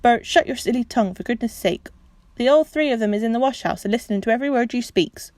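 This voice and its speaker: A woman reading as a gushing working-class wife, loud and effusive, her voice climbing high as she spills over with feeling. She talks in broad rustic dialect, in a dry, close storybook reading. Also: quick pace, no echo, close to an everyday voice. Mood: flustered. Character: homely working-class wife, warm and emotional.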